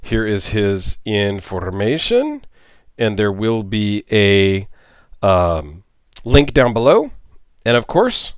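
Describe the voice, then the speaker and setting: A man's voice: medium pitch, no room sound, clean studio sound. A middle-aged man giving a casual, rambling gear review on his channel, with many ums and restarts. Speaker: YouTube reviewer.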